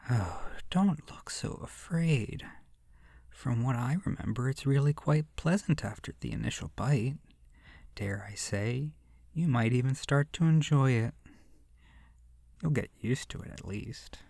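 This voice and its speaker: Slow, creaky, seductive vampire, acted out by someone. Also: medium pitch, expressive, a little mellow, dry recording, studio quality. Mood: predatory, teasing. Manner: slow, breathy near-whisper, theatrical and menacing. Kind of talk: scripted horror audio roleplay, ASMR.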